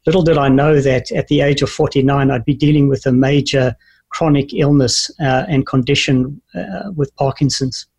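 A man in his fifties from South Africa with a South African accent, speaking earnestly and with measured restarts as an interview guest. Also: mid-range voice, vocal fry, darkish tone, breathy edge. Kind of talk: interview conversation.

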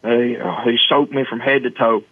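A man with a Southern US accent tells his own story over a thin, phone-like connection. His pitch sits in the ordinary male range and the sound is dry. He comes across as folksy and earnest, speaking as a guest in an interview. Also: fairly even intonation, moderate pace, no echo. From Arkansas, United States. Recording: muffled phone-like line, dry.

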